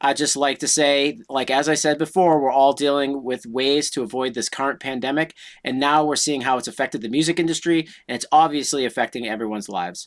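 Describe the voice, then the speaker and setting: At a fairly quick pace, a man with a fairly high pitch speaks with ordinary pitch variation. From Massachusetts North Shore (Danvers). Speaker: music company host, musician. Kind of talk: casual interview chat. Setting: video call livestream. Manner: casual, filler-heavy.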